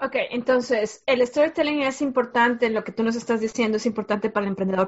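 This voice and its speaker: A woman's fairly high voice with a northern Mexican accent and ordinary pitch variation. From northern Mexico. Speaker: podcast host and money coach. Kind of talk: interview.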